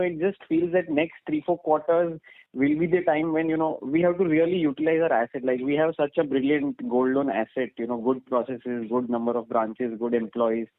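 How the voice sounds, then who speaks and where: Higher-voiced Indian man, rambling over the phone. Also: no room sound. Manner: rambling, filler-heavy, frequent "you know" and "like". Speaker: analyst asking questions. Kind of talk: earnings call questioning, conversational. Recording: dry, tinny narrow-band phone line.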